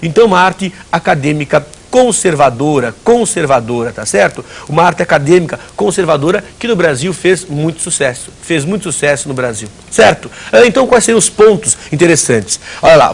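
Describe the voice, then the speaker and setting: Husky guy teaching a video class, lots of ums and restarts, ironic jokes here and there. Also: a little high, expressive, fairly quick. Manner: many fillers and restarts, ironic asides to students. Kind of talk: recorded video lesson.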